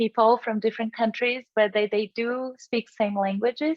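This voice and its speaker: A woman's fairly high-pitched voice with a Portuguese accent. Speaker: workshop facilitator. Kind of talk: online workshop facilitation.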